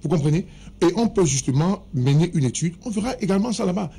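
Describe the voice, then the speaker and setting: A man's voice: high-pitched, expressive, fast, gravelly, mellow, slightly rough. A man arguing his point in a heated studio debate, insisting that he be allowed to finish speaking. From Cameroon. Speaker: political debate panelist.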